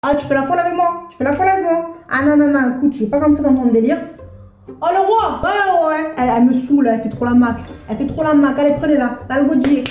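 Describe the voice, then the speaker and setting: A woman voicing an exasperated husband complaining about his wife, in a rapid, indignant, comic way. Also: sits high, echoey room, phone-quality sound, faint music behind, voice pushed up, lightly acted. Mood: outraged.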